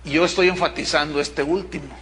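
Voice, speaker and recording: A pastor in middle age delivers a sermon in a high, forceful voice. He leans on his points with emphasis and keeps asking his listeners whether they follow him. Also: steady tone, brisk. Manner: emphatic, with rhetorical check-ins to the congregation.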